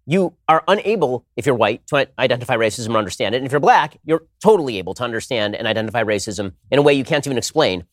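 A man talking very fast on a political roundtable, his pitch jumping about as he builds a case. He drives each point home and keeps checking in with "right?". The studio sound is close and dry. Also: lively intonation, no room sound. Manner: fast, emphatic, rhetorical "right?" tags. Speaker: roundtable panelist. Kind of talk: rapid argumentative commentary.

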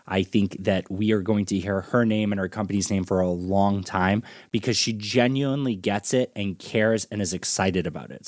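A man's voice: fairly low pitch, dry recording, studio quality. A man hosting a podcast in a conversational, enthusiastic way. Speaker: podcast host and interviewer.

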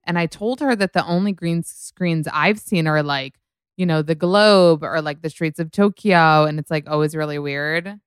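Chatty host, rambling and enthusiastic, low smooth voice, dry studio sound. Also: female voice, moderate pace, no echo. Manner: gushing, chatty, lots of "like". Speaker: podcast host. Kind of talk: casual podcast chat.

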